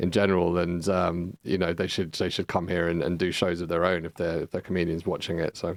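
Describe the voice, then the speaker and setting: This man speaks with a London accent. The recording is very clean, with a silent background. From London, North London. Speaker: stand-up comedian. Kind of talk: casual chat. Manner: monotone, deadpan.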